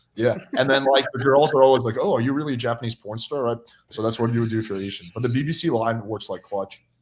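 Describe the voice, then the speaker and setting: The delivery is very fast and animated. Pitch variation is ordinary. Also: man, medium pitch for a man. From US small town, moved from Russian-speaking country at 7. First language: Russian. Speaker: dating coach. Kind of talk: casual podcast discussion.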